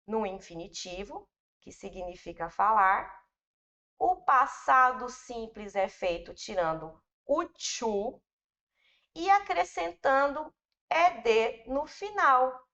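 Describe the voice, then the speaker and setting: A Brazilian woman who teaches English gives a slow, step-by-step grammar lesson, speaking informally to her students and patiently repeating explanations. Her voice is fairly high and a bit bright, her delivery unhurried. The lo-fi recording sounds dull and muffled.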